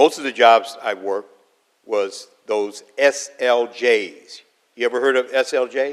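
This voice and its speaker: A man speaks at medium pitch and a fairly slow pace. His intonation stays fairly even. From US West Coast, South Central Los Angeles. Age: 60s. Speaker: anti-poverty organizer. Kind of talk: public talk.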